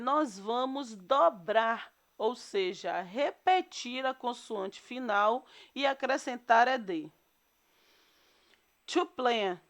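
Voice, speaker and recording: A Brazilian woman teacher talking slowly and carefully, pausing over each rule. Her voice sits a little high, and she drags out each word in the lists she reads. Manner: slow, deliberate explanations with drawn-out word lists. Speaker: English teacher. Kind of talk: recorded class lesson.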